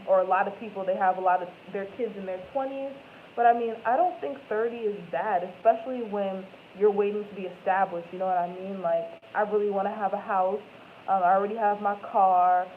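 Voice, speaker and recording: A woman's voice: mid-range voice, fairly even intonation, fairly quick. Woman in her twenties, tinny rambling chat. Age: 20s. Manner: rambling, self-correcting, lots of "like" and "um". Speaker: live stream host. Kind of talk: casual chat with viewers. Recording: tinny phone-like audio with faint noise.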